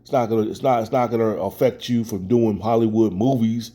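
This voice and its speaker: A man's voice: on the low side, steady tone, a little fast, mellow. An American man giving casual, opinionated commentary as a wrestling fan, in colloquial speech, often repeating phrases for emphasis.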